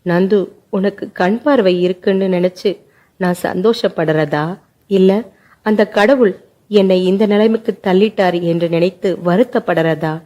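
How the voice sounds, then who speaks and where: A grief-stricken young woman speaks through tears in a spoken family story, as a woman narrator voices her. Her tone is warm and mellow at a moderate pitch. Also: normal speed, lightly acted. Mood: grieving. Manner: tearful, despairing delivery.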